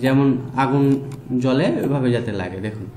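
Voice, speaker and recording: A man with a Bengali accent giving a slow, step-by-step software tutorial with frequent fillers. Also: mid-range voice, echoey room. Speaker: tutorial host. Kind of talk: screen-recorded software tutorial.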